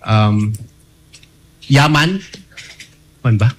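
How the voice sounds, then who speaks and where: A man's voice: medium pitch, expressive, extremely slow, slight background noise, rough recording. A man questioning a witness at a hearing, courteous, switching between English and Filipino with some hesitant fillers. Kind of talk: hearing examination.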